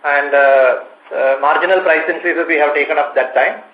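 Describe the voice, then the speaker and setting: An Indian-accented man gives an executive's answers on an earnings call. His voice sits a little high and his phrasing is hesitant, with repeated words. The call sounds roomy and echoing. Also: steady tone, normal speed, phone-quality sound.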